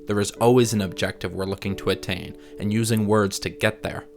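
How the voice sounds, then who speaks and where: Low-voiced man narrating a video essay. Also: fairly even intonation, creaky. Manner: measured, articulate, explanatory. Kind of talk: scripted narration, writing analysis. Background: background music.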